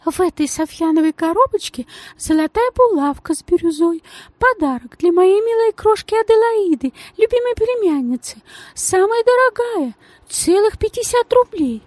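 A portly society lady in a storybook, her voice thin and piping, pitched far above the narration and swooping all over as she gushes. Her manner is affected and sugary, with a venomous edge underneath, as a woman narrator puts her on. The sound is close and dry. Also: animated, moderate pace, a little mellow, no room sound. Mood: fussy reproachful. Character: stout genteel lady, shrill, saccharine then venomous.

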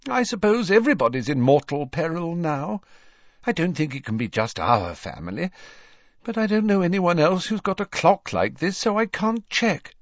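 A man voicing an anxious, fussy middle-aged witch mother who speaks in a stern, high-pitched way. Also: big pitch swings, moderate pace, no room sound. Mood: flustered. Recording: dull, dry lo-fi recording.

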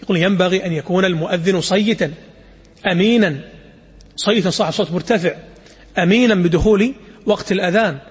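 A man preaches in a husky, high voice, lively and quick as he acts out the stories he tells. The sound has a long reverb, as in a large hall or mosque. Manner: lively, acts out quotes, demonstrates call to prayer recitation. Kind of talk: sermon storytelling to an audience.

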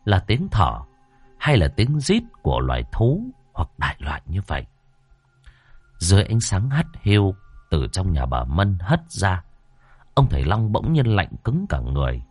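A man's voice: low voice, wildly swooping pitch, unhurried, a little mellow, slightly rough, no echo. A man narrating a horror story with a dramatic, suspenseful delivery. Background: faint background music.

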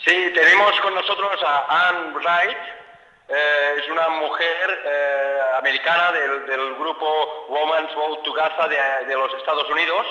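A man conducts a radio interview, pausing often on "eh" as he frames each question. His voice is bright and sits in an echoey hall. The sound is dull and lo-fi. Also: fairly high pitch, steady tone. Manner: hesitant, frequent "eh" fillers and restarts.

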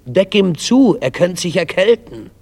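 Joke figure: an indignant husband, high and outraged, put on by a male comedian. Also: very animated, a little slow, creaky, darkish tone, in a large hall, exaggerated voice. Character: indignant husband finding a stranger in the bedroom.

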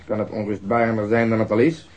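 Actor playing gruff policeman, lowish pitch, mellow timbre, cynical, sardonic, terse, radio drama. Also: little pitch movement, fast, close to an everyday voice. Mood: cynical, blunt. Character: gruff, cynical, dismissive male police detective.

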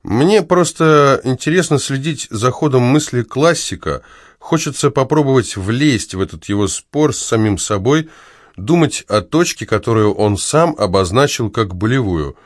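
A man's voice: medium pitch, animated, moderate pace, no room sound, clean studio sound. A man reading his own essay aloud in an ironic, argumentative way.

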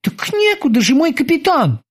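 A woman voicing a timid, eager male bosun who reports in a stiffly formal, drawn-out way. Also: high voice, sing-song, voice pushed up.

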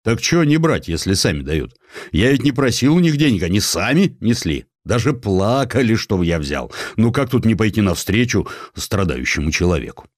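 A man's voice: fairly low pitch, sing-song, normal speed, no echo, studio quality. A man voicing a brazen, self-satisfied corrupt government official with a colloquial, self-justifying manner in an audiobook. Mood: aggrieved, brazen.

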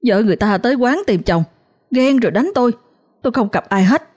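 A woman putting on a sobbing, shrill young daughter. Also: animated, fairly quick, darkish tone. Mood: defiant. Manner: shrill, pleading then defiant. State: crying.

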